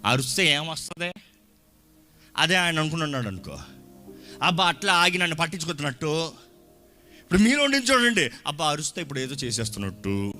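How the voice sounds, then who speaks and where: Animated, bright-voiced preacher man. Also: on the high side, fairly quick, long pauses, faint music behind. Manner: shouting, mixing Telugu with English phrases. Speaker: pastor. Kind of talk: lively sermon to a congregation. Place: church hall.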